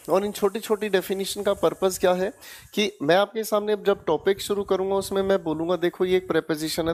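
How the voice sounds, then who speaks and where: A man with an Indian accent teaches English grammar in an online exam-prep lecture, coaxing his students and repeatedly checking they follow with "haan ya na?" and "theek hai beta?". His voice sits high and is a little mellow.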